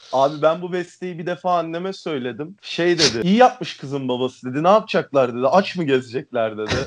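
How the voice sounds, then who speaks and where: Against a quiet background, a man with an unremarkable speaking voice and a fairly high pitch talks at a fairly quick pace with hardly any pauses. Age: 20s. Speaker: mechanical design engineer, listener guest. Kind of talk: casual chat.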